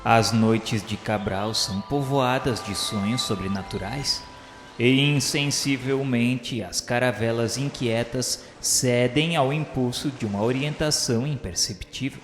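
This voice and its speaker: A man's voice: mid-range voice, slight background noise. A man with a Brazilian accent reading a solemn, literary radio novela narration in a formal, reverent, declamatory manner. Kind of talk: solemn scripted literary narration of a spiritual history. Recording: echoey reverberant hall sound, music underneath. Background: background music.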